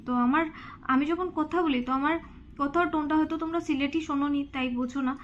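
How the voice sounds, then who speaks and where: A woman's voice: high-pitched, steady tone, a little fast, lo-fi sound, a little hiss or hum. A young woman from Silchar in India, speaking Bengali with a Sylheti tone, chatting casually to her viewers and often checking in with them. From Silchar, Assam, India. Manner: chatty, keeps asking "okay?". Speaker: vlogger. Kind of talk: casual chat to camera.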